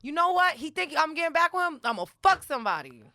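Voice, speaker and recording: A woman's voice: high-pitched, very animated, quick pace, pushed and bright, no room sound, studio quality. A young woman talking as a podcast guest in a candid, slangy, sweary way, telling personal stories frankly and with emphasis. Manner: frank, unguarded, emphatic storytelling. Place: podcast studio.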